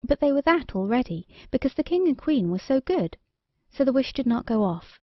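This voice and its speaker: A woman's voice: sits high, very animated, normal speed, no room sound, muffled recording. A woman reading a scripted children's story as an audiobook narrator.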